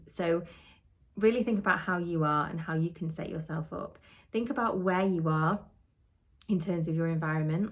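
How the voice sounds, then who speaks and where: A middle-aged woman, giving an earnest, steady training talk on social work and asking many rhetorical questions. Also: on the low side. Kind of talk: podcast teaching talk.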